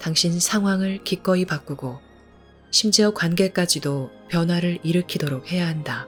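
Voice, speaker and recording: Music plays in the background as a woman speaks at a fairly slow pace. Her voice is fairly low, with ordinary pitch variation. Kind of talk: audiobook reading for sleep.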